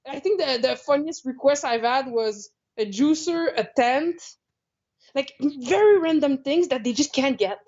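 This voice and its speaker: A young woman from Canada, chatting as a guest in a remote interview. She is animated, laughs often and acts out what people said. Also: high-pitched, measured pace, muffled recording. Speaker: guest, traveling jiu-jitsu instructor.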